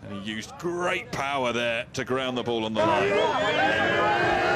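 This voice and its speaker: The tone is animated and the pace fairly slow, over noticeable background noise. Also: man. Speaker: rugby commentator. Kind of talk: rugby match commentary. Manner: animated, rising in pitch at tries and close calls.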